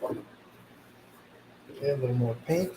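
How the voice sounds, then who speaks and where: Speaking slowly at a medium pitch, a painting instructor hosts a live tutorial in a casual, reassuring style. He sniffles a little because of a mild cold. The room echoes and some background noise is audible.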